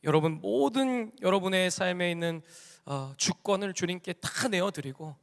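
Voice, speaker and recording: High-voiced man preaching in an echoing church. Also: normal speed, gravelly. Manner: animated storytelling, addressing the congregation. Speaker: pastor. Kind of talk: sermon. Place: church sanctuary. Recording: long church hall reverb.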